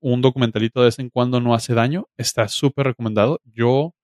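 A man's voice: medium pitch, steady tone, brisk, darkish tone, no room sound, studio quality. A man from Mexico with a Mexican Spanish accent, chatting casually as a podcast host in slangy, joking language. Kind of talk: casual chat.

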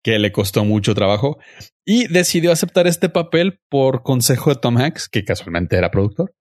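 Speaking at a moderate pace with a medium-pitched, slightly mellow voice, this young Mexican podcast host sounds very animated. There's no echo as he chats loosely about a series, holding firm to his views in slang.

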